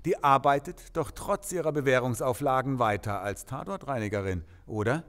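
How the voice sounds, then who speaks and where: Impatient cop for crime audio drama, direct, colloquial, medium-pitched. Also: male voice, animated, normal speed, fairly bright tone. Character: blunt, impatient male police officer. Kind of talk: German crime radio drama acting.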